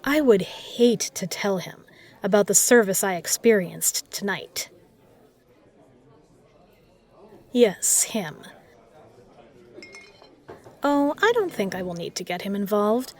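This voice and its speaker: A woman playing a self-assured, particular bar regular in an audio roleplay, speaking in measured, formal phrases. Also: mid-range voice, lightly acted. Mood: firm, commanding. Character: poised, particular female bar regular, flirtatious and protective. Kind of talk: scripted audio roleplay addressed to the listener.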